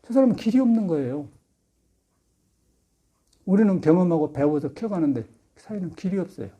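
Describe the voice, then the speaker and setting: A man's voice: sits high, lively intonation, a little fast, dark tone, breathy edge, highs cut off. An older man, a Buddhist monk, giving a folksy Sunday sermon full of anecdotes and laughter. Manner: chatty storytelling with laughter. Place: temple dharma hall.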